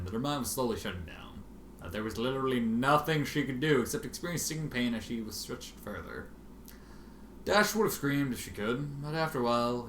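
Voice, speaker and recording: Expressive man reading, roomy recording. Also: medium pitch. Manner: expressive, sardonic. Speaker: amateur fan fiction reader. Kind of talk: dramatic story reading with casual asides. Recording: roomy, faintly noisy home recording.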